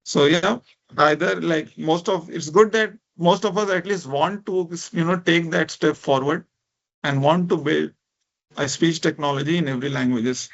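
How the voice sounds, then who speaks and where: Indian guy teaching an online class, non-native english with indian accent, gravelly fry in his voice, slightly muffled audio, says right and you know a lot. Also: on the high side, normal speed, fairly bright tone. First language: a minority language of India. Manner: informal, encouraging, repeats "right?" and "you know". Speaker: lecturer, speech technology researcher. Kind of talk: interactive online lecture.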